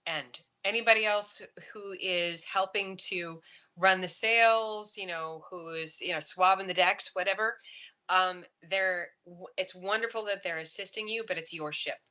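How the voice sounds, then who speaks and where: A woman's voice: fairly low pitch, normal speed, sharp tone. A woman chiropractor on a live video call, coaching new practitioners in an emphatic way and acting out quotes. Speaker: chiropractor guest. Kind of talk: live online interview. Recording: echoey, distant, dull audio.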